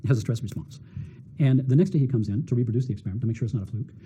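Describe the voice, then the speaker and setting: Fast-talking man with a dark, husky voice. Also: mid-range voice. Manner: energetic, repeats words, acts out quotes. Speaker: doctor interviewed on healing. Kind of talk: animated storytelling talk.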